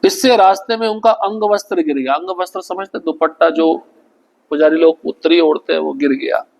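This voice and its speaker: This man has a somewhat high voice and teaches a devotional scripture class. He poses rhetorical questions and answers them at once. Now and then he slows down to chant Sanskrit verses. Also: creaky, darkish tone, rough recording.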